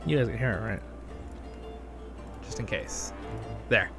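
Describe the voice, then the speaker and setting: Over game background music, a gaming-channel host walks viewers through gameplay in a loose, rambling way, talking to them as friends. He speaks a little slowly in a lowish but animated voice.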